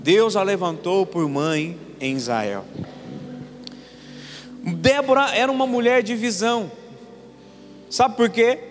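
Taking it slowly with long pauses, a pastor in his twenties from Paraná speaks in a high voice with lively intonation over soft background music. His sermon in the church sanctuary, marked by long reverb and faint room ambience, features stories and rhetorical questions aimed at the congregation.

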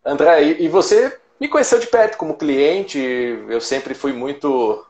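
A man's voice: on the high side, big pitch swings, measured pace, a little mellow, reverberant. A man in his forties telling his life story in a personal, reflective way, with many restarts. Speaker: guest trader. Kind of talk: casual storytelling.

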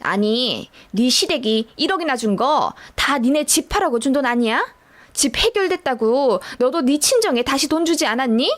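Lady doing a bossy mother-in-law, lower voice, scolds and accuses, lively ups and downs. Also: normal speed. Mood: accusing. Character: scolding middle-aged mother-in-law, domineering.

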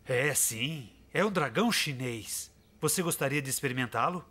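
A man's voice: medium pitch, lively intonation, moderate pace, close to an everyday voice. A man voicing an easygoing, good-humoured father in a Brazilian children's cartoon dub, teasing and encouraging. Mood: amused. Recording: music behind the voice.

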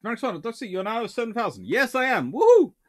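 A man's voice: very high-pitched, fast talker. Rambling man chatting on a livestream. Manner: rambling, animated, with many restarts and fillers. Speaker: naval history livestream host. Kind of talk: casual livestream chat reading viewer comments. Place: small home study with shelves of books.

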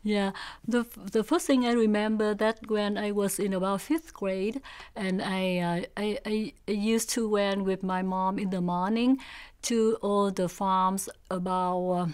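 A woman in her sixties from South Vietnam with a Vietnamese accent, recalling family history in an interview, halting as she searches for words. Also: medium pitch, steady tone, darkish tone, clean tone. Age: 60s. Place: indoor studio with backdrop.

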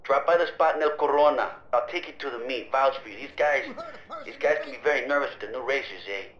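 Fast, easy talk from a man playing a smooth Latino street racer, mixing Spanish slang into his sales pitch. The voice sits a bit high and comes through dull and lo-fi. A roomy echo hangs around it. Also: a bit bright, lightly acted. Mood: smooth persuasive. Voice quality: laid-back, slangy, Spanish mixed in. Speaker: phone caller.

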